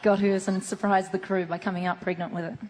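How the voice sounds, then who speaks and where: A woman's voice: medium pitch, flat delivery, quick pace. Playful woman telling stories on a convention stage. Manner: playful storyteller who jokes freely. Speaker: guest actress on a fan convention panel. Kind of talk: casual on-stage chat. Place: large convention hall stage. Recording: echoey convention hall, faint noise.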